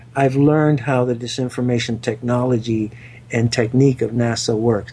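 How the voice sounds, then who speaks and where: Somewhat breathy and dark, mellow in tone, a man speaks at a medium pitch and moderate pace with ordinary pitch variation. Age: 60s. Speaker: intelligence analyst and psychotherapist guest. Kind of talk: casual radio interview.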